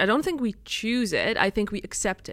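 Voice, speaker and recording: A woman speaks with lively intonation at a fairly high pitch over noticeable background noise. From Netherlands. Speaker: YouTuber. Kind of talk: casual interview chat.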